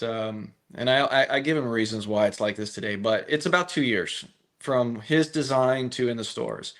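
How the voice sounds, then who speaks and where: A man's voice: medium pitch, fairly bright tone. A man from a firearms company, answering interview questions at length in a talkative, conversational way with frequent restarts. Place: live stream call.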